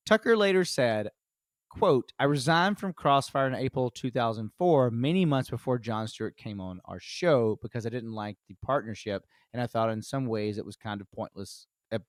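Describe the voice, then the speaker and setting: A medium-pitched man leads the episode as host of a comedy podcast, reading notes, swearing, joking with friends and laughing often. The sound is studio quality with no room sound.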